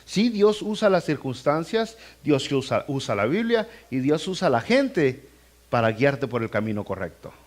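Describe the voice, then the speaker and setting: A man preaching a sermon as pastor in a church. He talks to the congregation directly and acts out scenes with animated voices. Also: mid-range voice, normal speed. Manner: conversational, addresses the congregation directly. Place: church sanctuary.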